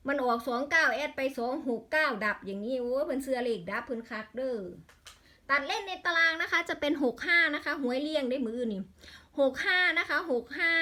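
A woman's voice: high-pitched, pushed and bright. A woman with an Isan accent in a casual vlog, rattling off lottery number strings and breaking into exasperated grumbles.

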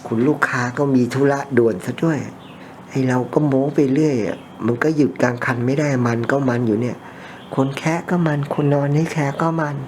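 A man's voice: medium pitch, a little fast, a little mellow, slight background noise. A man casually chatting with a customer while cleaning ears, a rambling storyteller with blunt, informal speech. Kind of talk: casual chat during ASMR ear cleaning. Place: ear-cleaning session with a customer.

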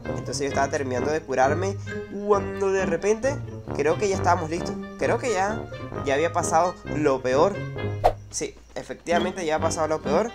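A young man with a Mexican accent, giving excited, slangy commentary over his own gameplay. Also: a little high. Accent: Mexican Spanish. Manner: swings from hushed to shouting, slangy. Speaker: gaming youtuber.

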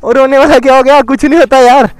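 A man motovlogging outdoors by a road, talking excitedly to camera and laughing often. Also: very high-pitched, quick pace, soft background music. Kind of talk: casual outdoor vlog talk to camera.

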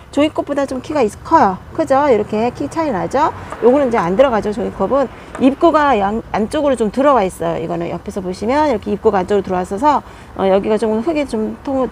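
A woman chatting through a product demonstration as an online seller of plant pots, friendly and talkative with soft laughs. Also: fairly high pitch, slight background noise. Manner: chatty, friendly sales talk, often laughing softly.

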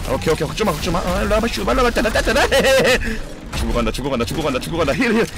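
A man streaming a competitive game, commenting live, cheering teammates and shouting and swearing as he plays. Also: high voice, very fast. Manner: excitable, shouts and swears during play; cheers on teammates with repeated calls.

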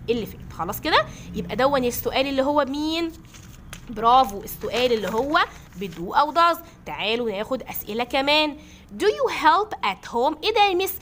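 A woman with an Egyptian accent teaching a classroom grammar lesson, patiently repeating examples slowly. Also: high voice, pushed and bright. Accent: Egyptian Arabic.

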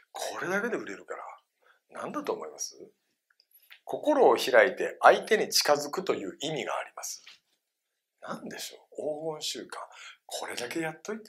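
A man's voice: a little high, bright, forceful tone. A man giving a live seminar talk in a room of adults, playful and quizzing his audience as he goes. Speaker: seminar speaker.

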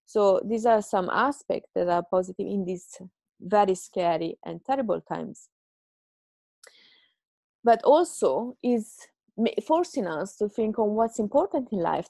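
An Italian-accented woman in her thirties talks earnestly on a podcast, her phrasing that of a non-native speaker. Her voice is mellow with a gravelly fry. The sound is close and dry, picked up by an earphone mic at home. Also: mid-range voice, no room sound. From Italy. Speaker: podcast host. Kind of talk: casual advice talk to camera. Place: living room at home, on a sofa, indoors. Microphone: earphone headset mic.

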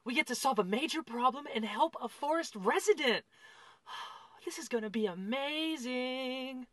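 A man's voice: very high-pitched, lively intonation, measured pace, fairly bright tone, no echo, pitched above the performer's own voice, exaggerated voice. A man voicing an earnest, wide-eyed young forest helper in a cartoon, with eager wonder. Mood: excited wonder. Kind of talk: animated cartoon voice acting demo.

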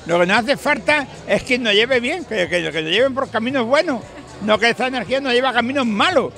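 This older Andalusian man has a very high-pitched, animated voice, brisk and sharp with vocal fry. Outdoors on a beach bar terrace at night, he chats in a folksy, rambling, emphatic manner into a handheld mic the interviewer holds, with music and a crowd faintly audible.

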